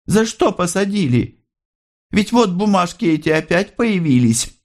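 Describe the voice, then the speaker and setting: A man voicing an older working-class mother, proud and plainspoken, his voice raised high. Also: slow pace. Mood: aggrieved.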